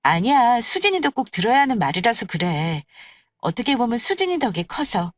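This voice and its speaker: A woman playing a patient, polite, quietly confident young bride-to-be in an audio story, with composed and gentle phrasing. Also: fairly high pitch, very animated, moderate pace, no room sound, pitched above the performer's own voice. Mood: placating. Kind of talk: acted dialogue in an audio story.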